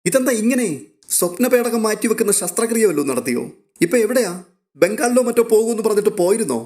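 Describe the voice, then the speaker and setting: A man doing an excitable young man's voice. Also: high-pitched, brisk, voice pushed up, close to an everyday voice. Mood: excited, astonished. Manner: eager, disbelieving exclamations.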